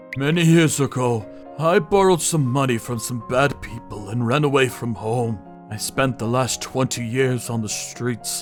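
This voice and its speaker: A man puts on a character voice at medium pitch with lively intonation. Clear music plays in the background. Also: moderate pace. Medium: fan dub. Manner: weary.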